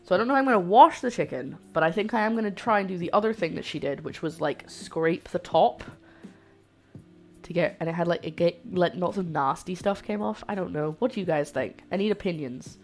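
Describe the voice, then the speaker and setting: A young woman with a faint Scottish accent chats loosely to her stream audience as she cooks at home. Her voice sits on the low side, and she rambles in an easygoing way. Quiet music plays underneath. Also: a little fast. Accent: light Scottish-English mix. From Scotland. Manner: chatty, rambling, talks to chat. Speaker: cooking streamer. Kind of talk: casual live-stream chat while cooking. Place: home kitchen.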